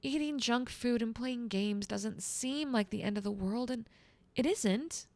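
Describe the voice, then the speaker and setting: A woman playing a gentle, motherly guardian angel in a soothing, patient ASMR roleplay, speaking softly and coaxingly. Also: on the high side, unhurried, no room sound. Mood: earnest, gently firm. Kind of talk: soft-spoken ASMR roleplay.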